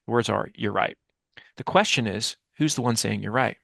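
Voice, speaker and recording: A man's voice: on the low side, moderate pace, vocal fry, a bit bright, no room sound, clean studio sound. A man in his forties explaining ideas as an interview guest, emphatic and full of rhetorical questions, on a headset mic. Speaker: guest, communication expert and author. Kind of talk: explanatory interview talk with acted-out example dialogue. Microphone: headset mic on a video call.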